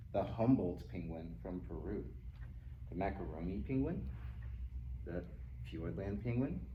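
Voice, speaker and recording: A man leads a children's storytime, reading with lively, swooping intonation at a middle pitch. He drops in playful, chatty asides to his young listeners. The recording is roomy and echoey, with a little background noise. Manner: acts out animal sounds and exclamations. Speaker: library storytime reader. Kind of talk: animated read-aloud for young children.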